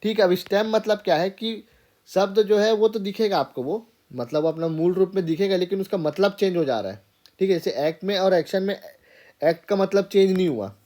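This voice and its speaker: Speaking fairly quickly in a high, mellow voice, a man leads a relaxed grammar class. His explanations proceed step by step, and he keeps checking with students by asking "theek hai".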